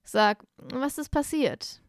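A woman's voice: high voice, slow, creaky, dry recording, clean studio sound, voice pushed up, heavily acted. A woman reading aloud voices a loyal, hot-headed young male wizard who presses his friend urgently. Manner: urgent, pushy.

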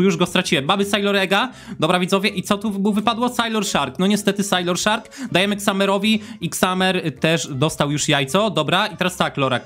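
A young man giving chatty, excitable gameplay commentary and talking straight to his viewers. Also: high-pitched. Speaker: gaming YouTuber.

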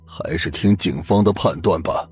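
A man's voice: deep voice, moderate pace, breathy edge, soft background music. A man playing a weary, bitter, henpecked older father in an audiobook drama, subdued and resigned.

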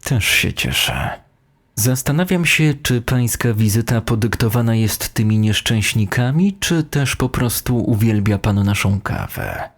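A man's voice: lowish voice, lively intonation, measured pace. A man voicing a sardonic, confrontational deputy headteacher in an audio horror story. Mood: sarcastic. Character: sarcastic, combative male deputy headteacher.

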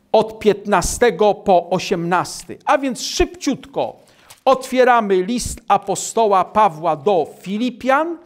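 Older guy preaching slow at a lectern, voice rising and falling a lot. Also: sits high. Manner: slow, deliberate delivery reading scripture aloud. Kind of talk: sermon with Bible readings. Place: studio with virtual backdrop, indoors.

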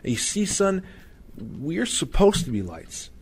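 A man's voice: on the high side, big pitch swings, unhurried, husky, full character voice. An actor playing a patient, earnest Christian father counseling his son in an audio drama. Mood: gentle, earnest.

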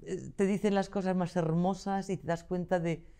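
A woman's voice: fairly low pitch, fairly even intonation, moderate pace, warm tone. An older woman from Zaragoza, a guest actress telling stories at length in an interview. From Zaragoza, Spain. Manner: chatty, talkative storyteller. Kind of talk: interview conversation.

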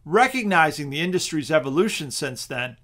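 High-voiced man giving a persuasive pitch. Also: fairly quick. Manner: steady, persuasive sales pitch. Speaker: real estate auction presenter. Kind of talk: scripted webinar narration.

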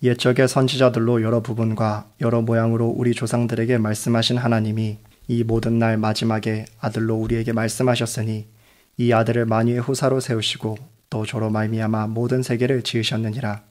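A man reads scripture aloud at a measured pace. His delivery is flat and monotone, keeping a middle pitch with little rise or fall. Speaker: Bible reader. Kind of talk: scripture reading.

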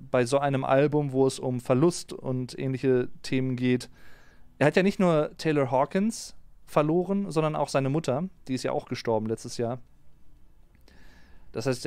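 A man's voice: mid-range voice, darkish tone, smooth, no echo. A man in his thirties from Germany, chatting casually on a live stream, reading out and answering viewers' comments. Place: small home streaming room. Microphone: close desk mic on a boom arm.

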